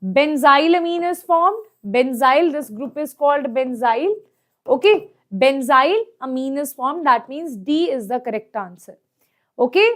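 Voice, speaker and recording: A woman's voice: sits high, lively intonation, measured pace, fairly bright tone. A woman with a South Asian accent teaching an exam problem lesson step by step, often checking that students follow with short questions. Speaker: chemistry teacher.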